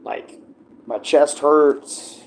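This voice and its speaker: A man's voice: on the high side, fairly even intonation, drawn-out words, darkish tone, slight background noise. A young man vlogging from home with a tablet mic, rambling casually with lots of fillers, his voice a little froggy. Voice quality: froggy voice at times. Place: at home, in a kitchen. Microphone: tablet propped up nearby.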